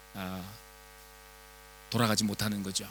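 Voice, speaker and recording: The man's voice has a bright, sharp tone. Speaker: missionary. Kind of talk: sermon.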